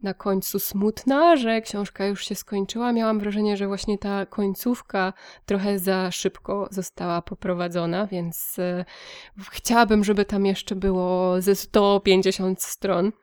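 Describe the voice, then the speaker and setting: A woman's voice: medium pitch, flat delivery, unhurried, darkish tone, smooth, no echo, clean studio sound. A woman co-hosting a book podcast, reviewing books conversationally in a reflective, hesitant way with repeated words.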